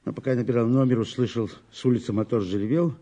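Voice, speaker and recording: An actor in an audio drama playing a talkative, excitable eyewitness who stammers and repeats himself, eager and easily indignant. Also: male voice, mid-range voice, fast talker, close to an everyday voice. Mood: excited.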